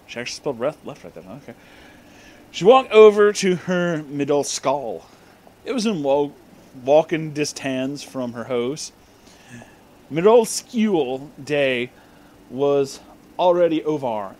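A man's voice: on the high side, darkish tone. A man hosting a comic reading of fan fiction, exaggerating misspelled words and dropping in mocking, profane asides.

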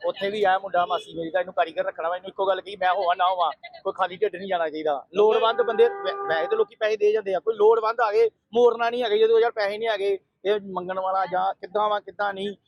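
Fast-talking man running a food stall. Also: sits high, steady tone, lo-fi sound. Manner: earnest, repeats himself. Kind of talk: casual interview.

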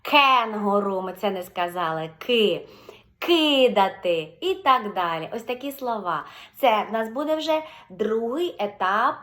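A woman with a Ukrainian accent, a speech therapist teaching a video lesson and slowly drawing out sample syllables and words. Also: mid-range voice, expressive, a bit bright. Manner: slow, drawn-out modeling of syllables and words.

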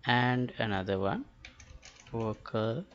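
A man narrating a step-by-step software tutorial in a halting, matter-of-fact manner. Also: mid-range voice. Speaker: tutorial host. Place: indoors, screen-recording voice-over. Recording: dull lo-fi voice-over with clicks.

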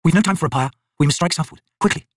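Man acting a stern, husky young tribal shaman. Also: fairly high pitch, racing, dry recording, clean studio sound, voice pushed up, natural voice. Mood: stern urgency. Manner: cold, urgent, forceful.

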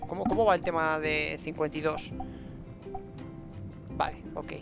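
A young man with a Castilian Spanish accent talks through a game in a chatty, playful way. His voice has plenty of fry and gravel in it. He speaks into a headset, with game music clearly behind him. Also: on the high side, fairly even intonation, a little slow. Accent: Spanish from Spain. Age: young adult. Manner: chatty, playful self-talk with diminutives. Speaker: video game streamer. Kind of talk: casual gameplay commentary. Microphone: headset microphone.

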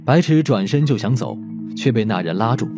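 A man narrating a mystery audiobook in an expressive storytelling manner. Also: medium pitch, brisk, over music.

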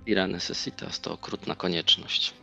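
Deep guy, super creaky gravelly voice, measured, playing an online rpg. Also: fairly even intonation, pushed and bright. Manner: measured, deliberate. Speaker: player in a tabletop role-playing game. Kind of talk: describing his character's reactions. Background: faint background music.

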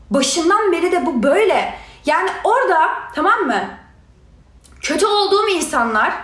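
A young woman delivering an angry, sarcastic livestream rant, scolding and addressing her viewers directly. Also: high-pitched. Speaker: reality show contestant answering critics. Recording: echoey room sound.

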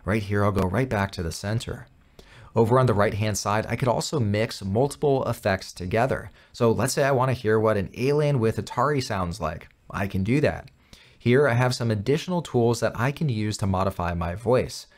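A man hosting a step-by-step software tutorial, explaining in a conversational, instructional way. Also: lowish voice, moderate pace. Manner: clear instructional, conversational phrasing. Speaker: tutorial host.

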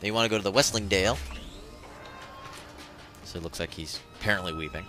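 A man's voice: sits low, fast talker. A man giving a casual, irreverent, joking walkthrough commentary as host of a game video. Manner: irreverent, jokey interjections. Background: game music.

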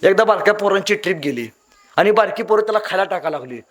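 A man's voice: sits high, expressive, fast, a bit bright. A young man from Maharashtra, giving a motivational speech full of acted-out stories and emotional swings. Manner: dramatic, acts out voices in anecdotes, emotional swings. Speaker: motivational speaker.

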